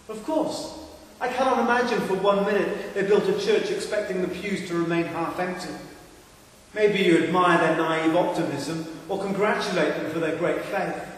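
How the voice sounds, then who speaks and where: A Welsh pastor from South Wales speaks earnestly and asks rhetorical questions as he introduces a sermon series. His voice sits a little high for a man. He was recorded in a large empty church with a long, roomy echo. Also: normal speed, far from the mic. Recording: echoey church hall.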